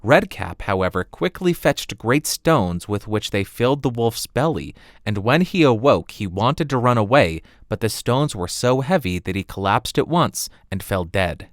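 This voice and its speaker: A man narrating a fairy tale as an expressive audiobook read on a close studio microphone. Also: on the low side, normal speed, few pauses, no echo. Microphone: close studio condenser microphone.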